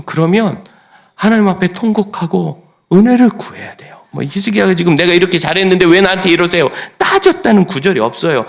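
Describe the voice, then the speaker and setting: Male pastor, sermon delivery; emphatic and animated, raised pitch, repeats key words. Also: gravelly. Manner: emphatic, repeats key words, swings from loud to near-whisper.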